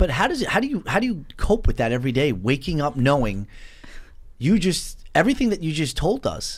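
Vocal fry runs through this man's fairly high-pitched voice as he speaks at a fairly quick pace with very wide pitch swings. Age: 40s. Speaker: podcast host. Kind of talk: casual interview.

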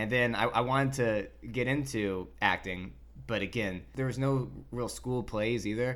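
Audible room echo surrounds a man speaking with an American accent at a fairly slow pace. His pitch is medium, with ordinary variation. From Washington State, US. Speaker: actor and comedy writer. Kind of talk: casual chat.

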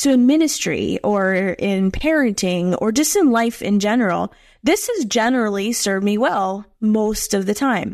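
Ordinary pitch variation at a moderate pace from a woman with a fairly high pitch. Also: quiet background. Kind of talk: faith teaching monologue. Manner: preachy.

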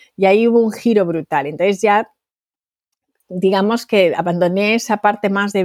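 A woman's plain, everyday voice at medium pitch and moderate pace, in a very clean recording with a silent background and a dry, close sound with no echo. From Valencia, Spain. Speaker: entrepreneur. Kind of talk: interview conversation.

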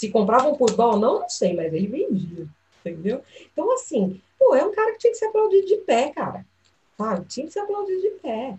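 A woman talks fairly quickly in a high voice whose pitch swings very widely. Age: 50s. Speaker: course participant. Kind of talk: testimony. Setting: video call.

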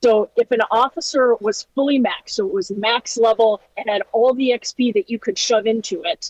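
In an unremarkable speaking voice, a woman talks at a fairly slow pace with fairly high pitch and fairly even intonation, the sound dry and close with no echo. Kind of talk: casual chat.

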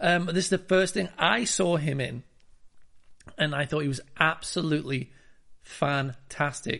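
Against a quiet background, a man with a British accent speaks in a fairly high pitch. His tone is animated, with ordinary pitch variation. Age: 30s. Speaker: film podcast host. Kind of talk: casual solo podcast talk.

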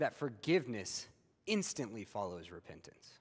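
A man is speaking. His pace is fairly slow. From New Mexico (Roswell). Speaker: ministry intern, student preacher. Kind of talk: sermon. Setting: church.

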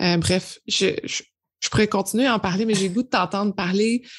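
On a very clean recording with a silent background, a woman speaks at a fairly quick pace. Her medium-pitched voice is somewhat breathy. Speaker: podcast host. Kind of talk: interview.

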